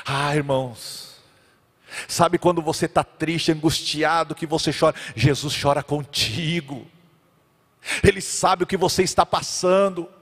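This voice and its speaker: A man preaching from the pulpit, his voice gravelly and pitched a little high. He acts out the story with sudden swings from loud cries to hushed, low lines. The sound carries a long reverb, like a large hall. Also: steady tone, unhurried. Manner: dramatic, acts out biblical characters with big swings in pitch and volume. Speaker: pastor. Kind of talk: sermon.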